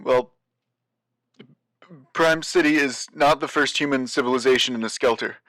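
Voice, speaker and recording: An actor playing an anxious, weary man taping a warning in an audio drama, halting and self-doubting as he rambles. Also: medium pitch, sharp tone, no echo, natural voice, poor audio. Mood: hesitant, uneasy. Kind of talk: audio drama monologue as a taped message.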